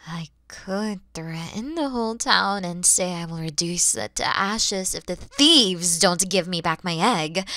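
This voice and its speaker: A woman's voice: fairly low pitch, sharp tone, dry recording, studio quality. A woman voicing a proud, wary, motherly female dragon in a theatrical, menacing ASMR roleplay, at times dropping into whispers. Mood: brooding. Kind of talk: ASMR audio roleplay acting.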